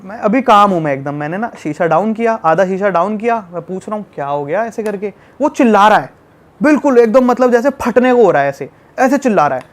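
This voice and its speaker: High-voiced young man telling a story. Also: fairly quick. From Delhi, India. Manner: animated storyteller, acts out shouting scenes. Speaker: travel YouTuber guest. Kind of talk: casual podcast storytelling.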